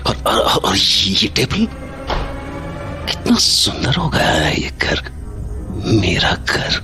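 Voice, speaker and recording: A man's voice: sits low, huge pitch swings, slow, music in the background, full character voice. A man voicing an unsettling grown son who comes home after years away, whispering and swinging from sweet to hurt, in a horror audio drama. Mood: eerie cheer. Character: unsettling grown son, returned after 22 years, mother calls him a monster.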